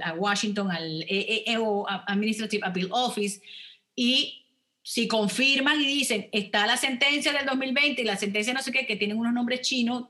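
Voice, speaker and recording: A woman's voice: on the high side, pushed and bright. A woman, an immigration lawyer explaining the rules on a radio advice program, stopping often to check with "ok?". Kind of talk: radio call-in advice talk.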